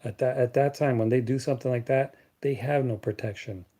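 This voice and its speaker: A man's voice: mid-range voice, brisk, dark tone. A man from Canada hosting a casual live Q&A chat, blunt and sarcastic, rambling and repeating words as he talks. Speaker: live stream host.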